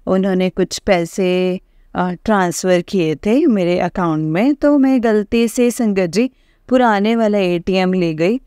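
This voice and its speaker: A middle-aged woman sharing a personal testimony with a congregation, halting and full of pauses and fillers, addressing her listeners respectfully. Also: medium pitch, lively intonation, warm tone, smooth, dry recording, studio quality.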